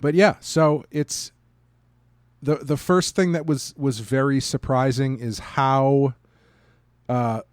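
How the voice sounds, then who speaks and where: A man with a medium-pitched voice reviews casually as a podcast co-host. He pauses and restarts as he thinks aloud, in a conversational manner. The recording is dry, with very little room sound. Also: fairly even intonation, no echo.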